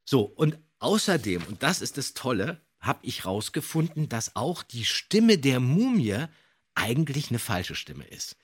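A man with a husky, slightly rough voice co-hosts a podcast. His pitch swings widely as he tells the story, leaning on key words to build suspense. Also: sing-song, measured pace. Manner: dramatic emphasis, builds suspense. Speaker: podcast co-host. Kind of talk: animated storytelling, podcast talk.

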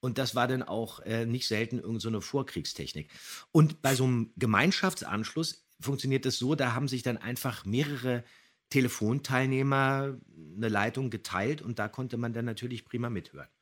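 Husky middle-aged man explaining on a podcast. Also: mid-range voice, moderate pace. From Germany. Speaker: podcast co-host. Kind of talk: casual explanatory podcast chat.

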